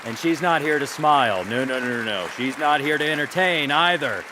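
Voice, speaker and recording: An actor playing a glib, teasing talk show host in a sci-fi audio drama, wry, theatrical and probing. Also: male voice, on the high side, animated, normal speed, a crowd in the background, noisy background, close to an everyday voice. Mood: showy, rousing.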